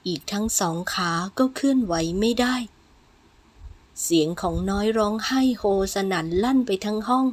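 A woman reading novel narration in a low, somber, measured voice. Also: lively intonation. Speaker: audiobook narrator.

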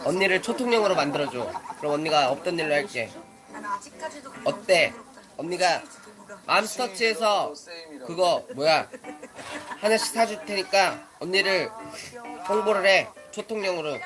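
Loud music runs under this live stream chat, where a twenty-something woman bosses younger players around big-sister style, cursing freely. Her voice is on the low side and animated, moving at a moderate pace with frequent pauses.

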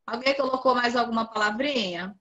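A patient woman teacher guides young pupils through a spelling task over a video call. Her bright, fairly high voice stays clear and coaxing. The audio sounds dull and lo-fi. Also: brisk. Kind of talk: online class for young children.

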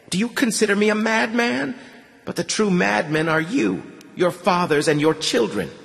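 A man doing a scornful old priest who rails at his captors in a high, strained voice, each charge sharper than the last. The voice carries a long, ringing reverb. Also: gravelly, a bit bright, full character voice. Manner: rising, accusing, menacing rhetoric. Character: old male priest, contemptuous, fiery preacher.

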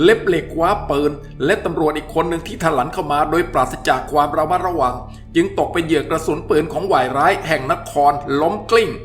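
A man reading a thriller novel aloud as a dramatic audiobook narrator. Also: fairly high pitch. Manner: vivid, dramatic reading of action scenes. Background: soft background music.

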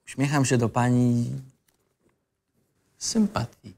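A rebellious young male student acted by a man with a medium-pitched voice. He sounds ironic and insolent, yet inward-looking, as if in a radio play about a disillusioned youth. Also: takes it slowly, dark tone. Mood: cheeky, defiant. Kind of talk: script reading for audio drama.

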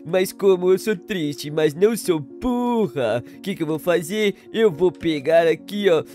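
Man playing Sadness: gloomy, self-pitying, sighing through gameplay in a high, slow voice. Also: lively intonation, dark tone, faint music behind. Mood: mopey. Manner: drawn-out sighs, mopey slow delivery. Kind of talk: gameplay commentary in character.

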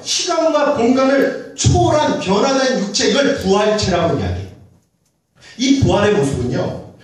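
A male pastor preaching a sermon in a church sanctuary, talking to the congregation conversationally and asking them questions. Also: sits high. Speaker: senior pastor. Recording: very echoey church, mic far off.

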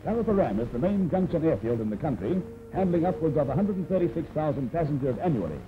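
A man's voice: a little high, sing-song, fast talker. A man giving formal, announcing narration for an old newsreel, heard from its original soundtrack. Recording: tinny old newsreel audio with music.

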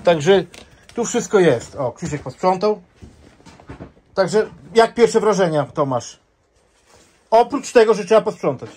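High husky-voiced man coaxing. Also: expressive, unhurried, pauses often. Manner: coaxing, repeats things loudly for a hard-of-hearing man. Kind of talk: casual chat.

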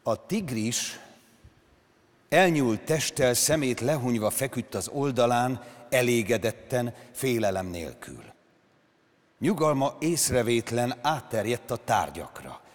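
A male actor reads a prose story aloud at a literary gala, with measured and dramatic phrasing. His voice has an ordinary middle pitch for a man. The sound carries the long reverb of a large concert hall. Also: animated. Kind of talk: dramatic literary reading on stage.

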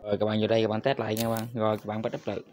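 A man's voice: fairly low pitch, completely flat delivery, very fast, darkish tone, a little hiss or hum. A man hosting a screen-recorded crypto tutorial, talking viewers through each step and repeating his address to them constantly. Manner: repetitive, addresses viewers constantly as "các bạn".

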